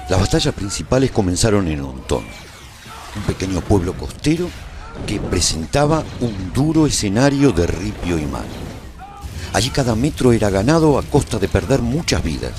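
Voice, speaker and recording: A man playing a weary resistance fighter who narrates a post-apocalyptic war in a radio serial, in a solemn, deliberate storytelling manner. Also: on the low side, a little mellow, a little hiss or hum. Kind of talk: scripted dramatic radio narration.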